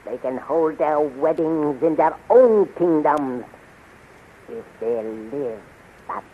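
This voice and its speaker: Cunning tyrant emperor, fairly high-pitched, 1930s radio style, faintly noisy recording. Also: male voice, lively intonation, phone-quality sound. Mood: coldly scheming. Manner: slow, deliberate, sinister. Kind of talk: 1930s radio serial acting.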